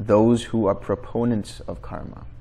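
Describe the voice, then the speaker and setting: The man talks at a fairly slow pace with fairly even intonation. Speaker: meditation teacher. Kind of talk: sermon. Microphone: lapel.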